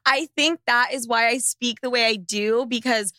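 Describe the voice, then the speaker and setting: A woman with a bright, slightly high Valley girl voice, hosting a podcast. Spanish was her first language, and she swears freely and laughs a lot as she chats. The sound is dry and close, like a studio mic. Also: dry recording. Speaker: podcast host. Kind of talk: casual chat.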